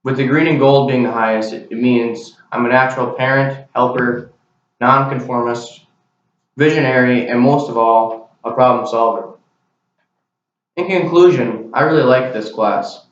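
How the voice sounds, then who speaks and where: A man's voice: mid-range voice, moderate pace. A young man giving a class speech to a camera, with an earnest, plain delivery. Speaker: student. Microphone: camera mic. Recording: very echoey, distant, dull camera recording.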